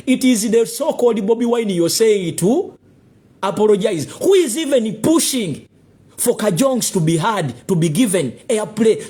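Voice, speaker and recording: A man with a Ugandan English accent delivering a heated political rant to camera, accusing his listeners and firing off repeated rhetorical questions. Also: sits high. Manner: rising to near shouts. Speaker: political commentator.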